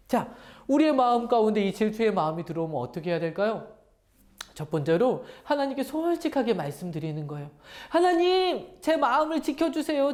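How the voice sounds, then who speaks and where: Woman, children's pastor, lively storytelling sermon, lapel mic. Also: mid-range voice. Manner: animated, asks children questions.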